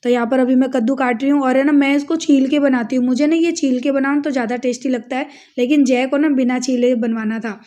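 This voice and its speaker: Speaking quickly with few pauses, a young family vlogger from India talks her viewers through her household routine in a casual home vlog. Her voice is high-pitched and warm, with fairly even intonation, and she's chatty and addresses the audience directly.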